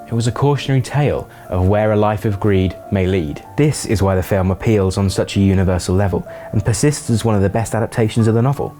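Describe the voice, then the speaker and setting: Low-voiced man narrating a video essay. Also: fast, few pauses, dark tone, faint music behind. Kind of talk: scripted narration.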